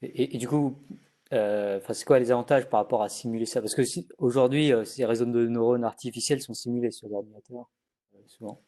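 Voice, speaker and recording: A male host runs a casual interview and asks his guests about their work. His voice is mellow and mid-pitched. He often stumbles and repeats words as he asks his questions. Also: fairly even intonation, brisk.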